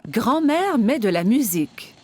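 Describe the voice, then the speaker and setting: A woman narrating a scripted children's cartoon story in simple, clear phrases. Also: a little high, sing-song, a little slow. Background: background music.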